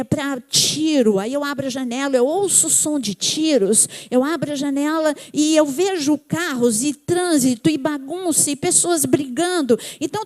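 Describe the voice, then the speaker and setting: A woman's voice: high voice, a little mellow. A Brazilian woman giving a conversational church talk on emotions, often checking that listeners follow. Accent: Brazilian Portuguese. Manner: conversational, asks the audience if they follow. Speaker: church speaker.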